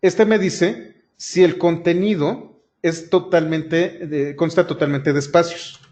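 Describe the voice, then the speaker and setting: A man's voice: a little high, steady tone, takes it slowly, darkish tone. A male programming instructor, explaining a coding lesson step by step and speaking directly to his students. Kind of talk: screen-recorded coding lesson. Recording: dull lo-fi sound.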